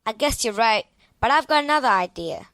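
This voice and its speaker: A woman's voice: fairly high pitch, animated, fairly quick, a bit bright, no echo. A woman playing a stubborn, eager twin sister in an audio drama. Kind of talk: hobby audio drama acting.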